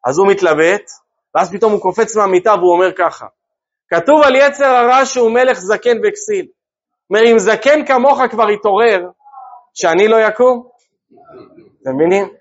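Male Torah teacher, lively, rhetorical, dull lo-fi sound. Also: high-pitched, pauses often. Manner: lively, asks listeners rhetorical questions. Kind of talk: religious class to a group.

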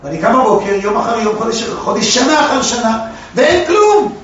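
A man teaching a classroom Torah lesson, animated, asking the class questions and acting out the dialogue. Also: very high-pitched, a little hiss or hum. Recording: echoey room, distant mic, dull lo-fi sound.

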